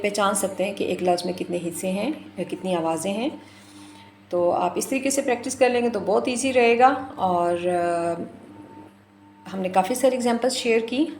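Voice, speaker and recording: Woman teacher, unhurried and mid-pitched, repeats each word, soft music under her. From Pakistan. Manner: slow and deliberate, repeats words and mixes English with Urdu. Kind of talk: recorded lesson for primary teachers.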